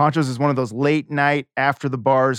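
Man at a medium pitch and fairly quick pace, a dry, close sound with no echo and a quiet background. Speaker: podcast host. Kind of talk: casual chat. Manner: animated.

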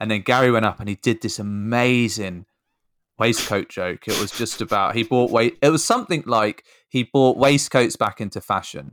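A man with an English accent at medium pitch and a moderate pace, ordinary pitch variation, a dry, close sound with no echo, and a very clean recording with a silent background. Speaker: author and ex-marine. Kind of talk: interview conversation.

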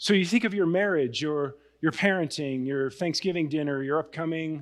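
At a moderate pace, a man speaks in a fairly high voice with ordinary pitch variation. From Oregon, near Portland. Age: 40s. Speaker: pastor. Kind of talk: sermon. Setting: church. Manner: halting.

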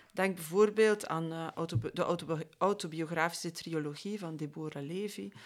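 In a very clean recording with a silent background, a woman with an unremarkable speaking voice talks at a moderate pace and fairly low pitch. Her pitch variation is ordinary, while her loudness swings widely. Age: 50s. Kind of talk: casual chat.

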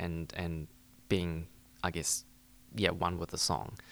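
At a moderate pace, a man with a New Zealand accent speaks on a very clean recording with a silent background. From New Zealand, Lower Hutt. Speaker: poet and editor. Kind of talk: casual interview chat.

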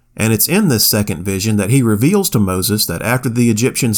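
Over a silent background in a very clean recording, a man with a slight Southern US accent speaks at a moderate pace, his medium pitch showing ordinary variation. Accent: mild Southern US. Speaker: podcast host. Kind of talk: scripted-style daily Bible reading show with jokes. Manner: humorous, jokey.

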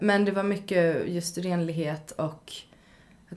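Speaking at a fairly slow pace, a woman keeps her intonation fairly even while audible room echo surrounds her voice. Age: 30s. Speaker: social worker. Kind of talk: casual chat.

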